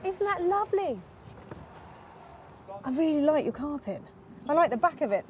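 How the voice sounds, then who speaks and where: A woman's voice: sits high, big pitch swings, moderate pace, darkish tone, a little hiss or hum. A woman presenter chatting casually and enthusiastically outdoors at a recycling centre. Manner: bubbly and enthusiastic. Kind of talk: casual on-location chat.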